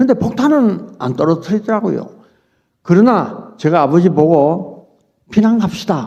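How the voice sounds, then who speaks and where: A man with a high pitch and a dark, mellow tone speaks at a fairly slow pace, with audible room echo around him. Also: lively intonation. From South Korea, Daegu. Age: 80s+. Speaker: church elder. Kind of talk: sermon. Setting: church.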